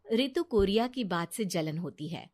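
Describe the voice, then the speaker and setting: A woman narrating a cartoon story in a plain, steady storytelling manner. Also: medium pitch, normal speed.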